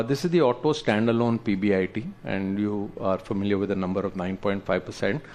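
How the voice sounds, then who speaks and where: A man presents company results to investors as an executive, explaining slides in a measured, halting way. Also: fairly low pitch, darkish tone. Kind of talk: earnings presentation to investors, talking through slides.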